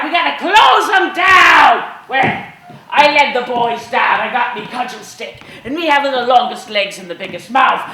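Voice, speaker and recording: A woman doing a brash loudmouthed mob leader. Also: on the high side. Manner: rough folksy dialect, boastful and boisterous. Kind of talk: one-woman historical storytelling performance. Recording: echoey hall, faint room noise.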